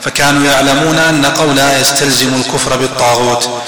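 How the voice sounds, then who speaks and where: A man reading a religious text aloud in a formal, measured recitation during a lesson. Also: mid-range voice, level tone, roomy sound, in a large hall, a crowd in the background, poor audio.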